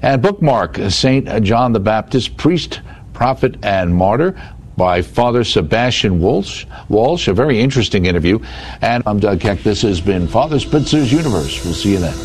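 Low-voiced male radio host signing off. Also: sing-song. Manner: brief affirmations, then a brisk sign-off. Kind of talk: radio talk show closing.

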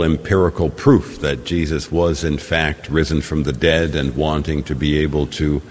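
Very deep-voiced priest in cathedral echo. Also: male voice. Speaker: Catholic priest, preacher. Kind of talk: liturgical gospel reading and homily. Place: large reverberant church. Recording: cathedral-like echo, long reverberant church hall.

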